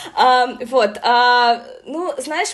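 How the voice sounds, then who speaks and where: A woman talks at a high pitch. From Bashkortostan, Russia (Blagoveshchensk). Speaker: journalist and activist. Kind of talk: interview. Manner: hesitant, many filler sounds.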